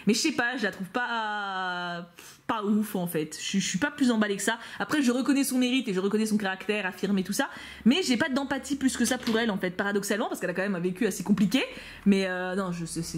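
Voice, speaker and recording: A woman's voice: medium pitch, quick pace. A young woman from France opening fan mail for her viewers, gushing and teasing, often stumbling over repeated words. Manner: gushing and excitable, stammering repeats; playful teasing asides. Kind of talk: casual unboxing vlog, talking to viewers.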